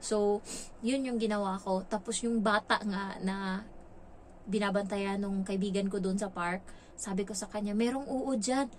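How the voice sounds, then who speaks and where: With a medium-pitched voice that barely rises or falls, this Filipina vlogger talks at normal speed, pausing often, with a little hiss or hum in the audio. She tells frank, chatty stories about being a domestic helper abroad and acts out the lines she quotes.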